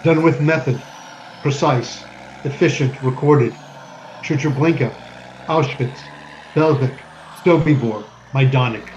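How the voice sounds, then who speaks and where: An actor playing a solemn, bitter ghetto survivor who narrates a stage drama in a deliberate, declamatory way. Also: male voice, medium pitch, a little mellow, a little hiss or hum, natural voice. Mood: bitter, forceful. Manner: grave, deliberate, declamatory, with emphatic lists. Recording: dull, lo-fi stage recording. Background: music.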